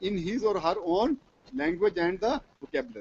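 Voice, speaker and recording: Lively intonation shapes a man's high-pitched speech. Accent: Punjabi. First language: Punjabi. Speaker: teacher trainer. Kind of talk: lecture. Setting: online broadcast session.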